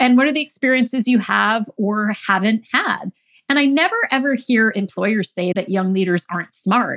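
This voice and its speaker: A woman with a plain, everyday voice speaks at a moderate pace, her fairly high pitch carrying lively intonation. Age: 40s. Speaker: author and workplace generations expert. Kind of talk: interview.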